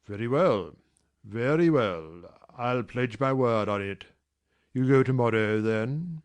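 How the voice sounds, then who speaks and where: A man voicing a brusque, teasing, middle-aged gentleman employer in a dramatized reading of a classic novel. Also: medium pitch, lively intonation, slow pace. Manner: gruff, teasing, commanding.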